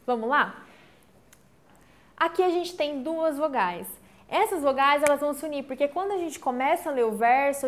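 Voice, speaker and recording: A woman teacher, giving an online literature lesson, explaining step by step and often checking in with the class. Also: high voice. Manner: explains step by step, counts syllables slowly aloud; checks in with frequent "tá?".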